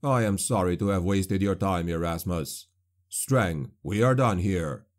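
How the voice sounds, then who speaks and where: A vengeful witch hunter speaks low and cold, as a man reading aloud voices him. His tone drips venom, slow and measured. He sits somewhat deeper than the reader's own voice. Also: expressive. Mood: stern.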